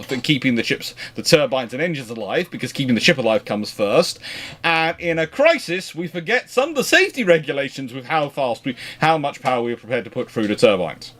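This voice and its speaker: A man hosting an informal history question-and-answer chat, talking in a discursive, halting way and often rephrasing mid-sentence. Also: mid-range voice, fairly bright tone. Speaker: naval history livestream host answering questions.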